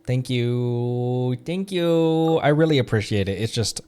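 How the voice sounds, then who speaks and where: A man's voice: mid-range voice, expressive, unhurried, dark tone, clear, resonant tone. A man livestreaming a game, chatting casually and reading dialogue aloud in a playful way. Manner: playful, silly sound words, stumbles while reading. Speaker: streamer. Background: game music.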